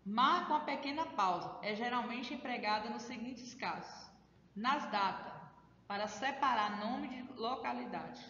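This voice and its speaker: A woman's voice: a little high, a little slow, sharp tone, slight background noise. A woman schoolteacher with a Brazilian Portuguese accent giving a remote lesson, explaining step by step and often checking in with her students. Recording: very echoey room, dull lo-fi sound.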